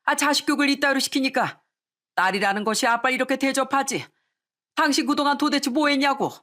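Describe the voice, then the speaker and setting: A woman's voice: sits high, a little fast, pitched above the performer's own voice. A woman voicing a pompous, hot-tempered middle-aged father-in-law in a radio story. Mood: furious. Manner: bossy, blustering, shouting.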